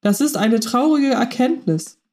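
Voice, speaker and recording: A woman's voice: a little high, animated, measured pace, darkish tone. A woman co-hosting a podcast, talking thoughtfully and analytically with some fillers. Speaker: podcast co-host. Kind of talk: casual chat.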